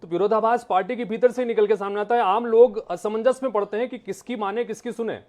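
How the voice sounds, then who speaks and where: A man's voice: high-pitched, fairly even intonation, fast, darkish tone. A man hosting a live panel debate, putting probing questions to guests and steering whose turn it is. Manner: probing questions, frequent listening hums. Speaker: debate show host, moderator.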